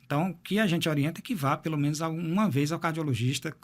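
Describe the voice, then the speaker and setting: A man, speaking as a cardiologist in a podcast interview. His voice sits somewhat high for a man. He explains step by step and often repeats a word as he finds the next one. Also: fast. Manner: explanatory, repeats words while thinking. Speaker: cardiologist guest. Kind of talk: medical interview.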